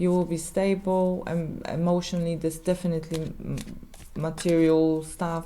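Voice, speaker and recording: A woman's dark, mellow tone at a fairly low pitch and a moderate pace. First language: Polish. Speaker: tarot reader. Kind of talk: tarot reading. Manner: hesitant, many fillers.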